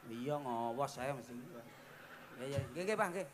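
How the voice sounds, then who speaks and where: A man's voice: mid-range voice, animated, unhurried. A man with a Javanese accent playing comic sidekick on stage, bantering back with eager questions and laughing replies.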